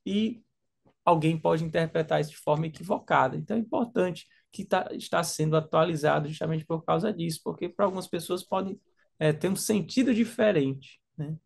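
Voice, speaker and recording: A man's voice: on the high side, fairly quick, gravelly, slightly rough. A man with a Brazilian Portuguese accent, co-hosting a religious teaching podcast, speaking thoughtfully with hesitant restarts. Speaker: podcast co-host, Sunday school teacher. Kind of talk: casual religious podcast discussion.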